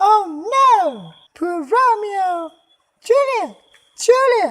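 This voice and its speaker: A squeaky, put-on character voice at an extremely high pitch drags along at a very slow pace. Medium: stage play.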